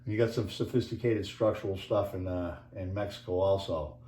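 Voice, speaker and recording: A man with a Boston accent rambling through a casual monologue, halting often with fillers as he talks over slides. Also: low-pitched, steady tone, mellow, roomy sound, slight background noise. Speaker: video creator and author.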